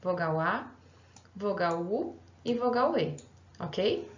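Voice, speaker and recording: A woman's voice: fairly low pitch, lively intonation, slow pace. Woman teacher, patient step-by-step explaining, slightly muffled recording. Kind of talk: recorded online grammar lesson. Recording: roomy, slightly dull home recording.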